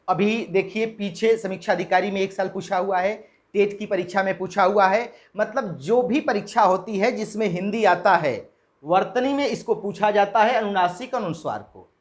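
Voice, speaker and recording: A man giving a Hindi lesson in lecture style, asking his own questions and answering them, pausing to check in after each point. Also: high voice. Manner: drills example words slowly one by one. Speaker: Hindi teacher.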